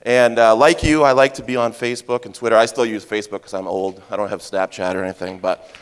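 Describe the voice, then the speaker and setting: A middle-aged man from Maine, a heroism educator giving a loud, chatty talk on a conference stage, often checking in with the audience with "right?". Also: on the low side, steady tone, fast talker, smooth. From Maine, USA. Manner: loud, chatty, jokey, asks the crowd questions, many "right?" tags. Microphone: handheld or stage mic.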